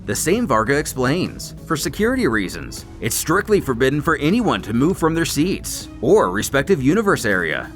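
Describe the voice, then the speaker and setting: A man's voice: mid-range voice, very animated, moderate pace, few pauses, a bit bright, soft background music. A man delivering scripted story recap narration in a dramatic storytelling manner, with wry asides.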